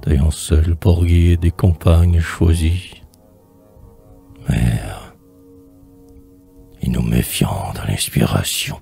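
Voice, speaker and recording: A man gives a dramatic poetry reading in an extremely dark, mellow voice. His delivery is slow and solemn, with theatrical, drawn-out phrases that can fall away to a hush. Soft music sits faintly behind him. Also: extremely low pitch, vocal fry. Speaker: poetry reader.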